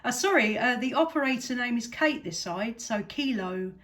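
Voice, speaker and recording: A woman's voice: on the high side, expressive, moderate pace, a bit bright. A woman chatting casually as a CB radio operator. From southeast England. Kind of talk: casual radio contact chat. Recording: CB radio session with clear static noise. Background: radio static.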